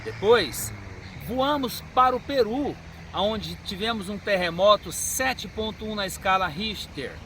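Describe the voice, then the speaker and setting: A Brazilian man in his fifties, a forensic medical examiner, answering interview questions in a measured, teaching manner. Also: sits high, expressive, bright, forceful tone. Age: 50s. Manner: measured, didactic. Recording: street and car noise behind.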